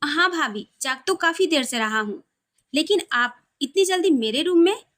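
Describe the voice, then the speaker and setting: A woman's voice: high voice, expressive, normal speed, fairly bright tone. A woman voicing an earnest, tender and teasing young husband in a romantic audio story. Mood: puzzled.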